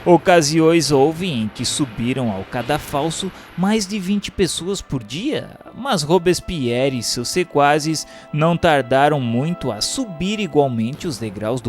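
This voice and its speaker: Man, Brazilian accent, solemn radio narration, lively intonation, formal dramatic declamation, music underneath. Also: a little high, measured pace, few pauses. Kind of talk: solemn scripted radio narration of spiritist history.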